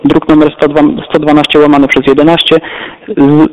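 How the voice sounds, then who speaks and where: Guy chairing a council meeting, formal and brisk, flat voice, long echo, muffled lo-fi sound. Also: fairly high pitch. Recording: echoey council chamber, dull lo-fi sound.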